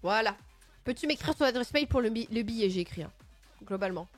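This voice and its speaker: A woman hosting a livestream in casual chat, playful and expressive with sudden excited outbursts. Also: fairly high pitch, fast. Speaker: livestream host. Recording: faint music in the background.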